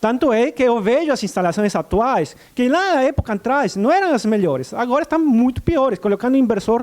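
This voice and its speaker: With a non-native accent, a man talks in an extremely high pitch, his intonation lively and hardly any pauses between words. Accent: foreign accent in Portuguese. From outside Brazil. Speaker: solar energy researcher. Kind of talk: conference talk. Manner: halting, many fillers.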